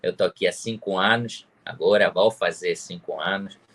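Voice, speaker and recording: A man from Tuscany in Italy talks with an Italian accent in a language that is not his first. His voice is low, and he speaks casually as a guest on an online interview. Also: fairly even intonation, moderate pace, fairly bright tone. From Pisa, Tuscany, Italy.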